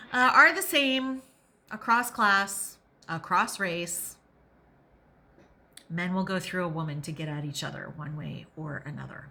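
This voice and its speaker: A woman hosting a podcast, reading aloud and adding opinionated, emphatic commentary, sometimes pausing to think out loud. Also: on the low side. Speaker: podcast host and reader.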